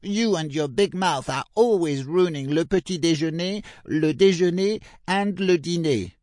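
A man's voice: very high voice, sing-song, drawn-out words, a bit bright, clear, resonant tone, no room sound, clean studio sound, voice pushed up, heavily acted. A man reading a storybook aloud, voicing a group of small sea-creature siblings who whine and scold. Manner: whining, scolding.

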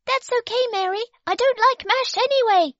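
A woman voicing a bossy, demanding talking baby girl in a storybook, squeaky and imperious. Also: normal speed, fairly bright tone, no room sound, dull audio.

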